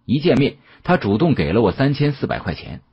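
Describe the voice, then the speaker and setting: A man narrating a mystery novel as an audiobook, in an expressive, dramatic first-person storytelling style. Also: medium pitch, a little fast, slightly rough, lo-fi sound.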